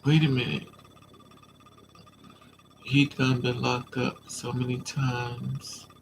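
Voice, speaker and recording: A man's voice: medium pitch, takes it slowly, vocal fry, background noise. A man with a stuffy nose from a coming cold, chatting casually on a live stream and answering viewers' comments. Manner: relaxed, chatty, talks back to commenters.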